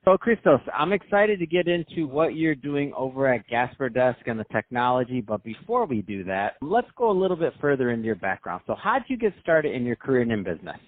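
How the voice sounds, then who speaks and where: A male podcast host speaking in an energetic, chatty, promotional way, with a narrow, phone-like recording. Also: mid-range voice, a little fast, few pauses, no room sound. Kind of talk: upbeat podcast hosting and ad read.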